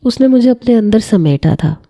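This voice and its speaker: Woman narrating a romance, very dark tone. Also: a little high, animated. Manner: emotional, measured storytelling. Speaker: storyteller. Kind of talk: scripted first-person narration of a romance story.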